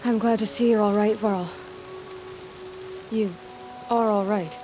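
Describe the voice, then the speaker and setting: A woman's voice: mid-range voice, steady tone, slow, noisy background, lightly acted. A woman playing a determined young tribal huntress in a video game, plain-spoken, sardonic and guarded. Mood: resolute. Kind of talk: video game cutscene acting.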